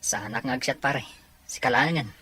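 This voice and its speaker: An actor playing a sensible, concerned drinking buddy in a radio drama, reasoning and cautioning. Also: male voice, medium pitch, moderate pace, bright, forceful tone, husky, no room sound. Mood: reluctant, cautioning.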